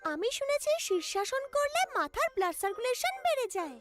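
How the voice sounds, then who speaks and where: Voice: very high voice, big pitch swings, fairly quick, over loud music. A performer voicing a helpful young female cat in a children's cartoon dub, politely offering suggestions. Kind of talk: dubbed children's cartoon acting.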